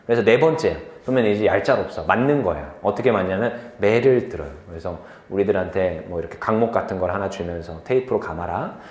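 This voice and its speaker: A young man preaching a sermon to a youth group, telling stories from his life in a lively way, laughing easily and asking the listeners questions. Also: deep voice, reverberant, lo-fi sound. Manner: lively storytelling, quick to laugh; asks the listeners questions directly.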